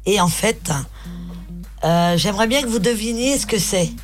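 A woman's voice: mid-range voice, expressive, normal speed, soft background music. A woman presenting a segment on a radio show in a casual, chatty style.

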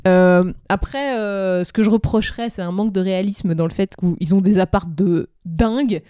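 A woman co-hosting a couple's show in casual chat, teasing and quick to laugh. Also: medium pitch, mellow, clear, resonant tone, dry recording, studio quality.

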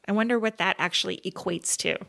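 A woman co-hosting a casual podcast, chatty and expressive, often tossing out questions. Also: medium pitch, brisk, creaky. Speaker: podcast co-host. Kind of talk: casual chat.

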